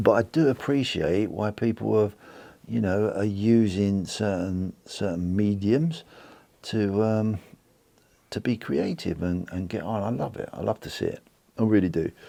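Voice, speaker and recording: A man with a British accent talks at a fairly slow pace, his fairly low voice dark and mellow with ordinary pitch variation. The recording is very clean, with a silent background. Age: 60s. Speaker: precious metals and whisky YouTuber. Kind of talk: casual chat. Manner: halting; animated.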